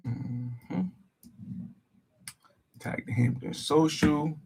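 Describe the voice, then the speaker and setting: A man's voice: a little high, steady tone, drawn-out words, a little mellow, breathy edge. A man YouTuber giving casual live-stream commentary to his viewers, muttering to himself as he edits at a desk mic. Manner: laid-back, talks to viewers as "y'all", mutters while working.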